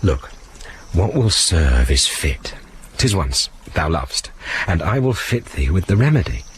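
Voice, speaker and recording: A man's voice: low voice, very animated, measured pace, a little hiss or hum. An actor playing a good-humoured noble prince who commands his officers and teases them, in Shakespearean stage style. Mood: reassuring. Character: genial noble prince, older male commander.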